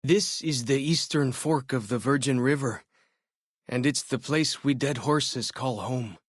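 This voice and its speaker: Guy doing a friendly young tribal scout for a video game, curious n earnest, dry close sound, voice a bit rough. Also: medium pitch, unhurried, no echo, natural voice. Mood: informative, friendly. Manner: earnest, informal, simple phrasing with tribal words. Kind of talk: video game character dialogue.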